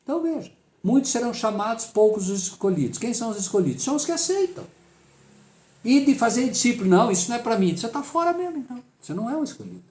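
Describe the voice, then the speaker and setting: A man's voice: extremely high pitch, big pitch swings, fast talker, darkish tone, reverberant. A man with a Brazilian accent leading a Bible study, emphatic and full of rhetorical questions he answers himself.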